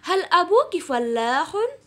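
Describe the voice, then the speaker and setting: A woman teacher reading the part of a friendly, curious schoolgirl in a textbook dialogue, slowly and carefully. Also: very high-pitched, big pitch swings, pitched above the performer's own voice, exaggerated voice. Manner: slow, careful, bright read-aloud.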